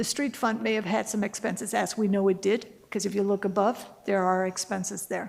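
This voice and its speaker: An ordinary speaking voice moves at a moderate pace with fairly even intonation in a very clean recording with a silent background. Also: woman. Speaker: city official presenting finances. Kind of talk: council meeting report. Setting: city council meeting.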